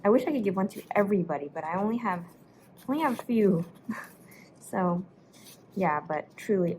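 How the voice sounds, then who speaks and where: A young woman teacher talking in a casual, emotional vlog, with a raspy voice and a soft, reflective way of talking full of fillers. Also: fairly low pitch, noisy background. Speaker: high school history teacher.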